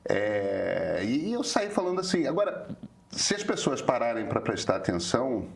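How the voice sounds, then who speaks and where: A man in his fifties with a Rio de Janeiro carioca accent, explaining things in a relaxed talk-show chat, hesitant with frequent filler restarts. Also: medium pitch, normal speed, gravelly. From Brazil, Rio de Janeiro. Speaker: journalist co-host. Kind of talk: casual conversational explanation.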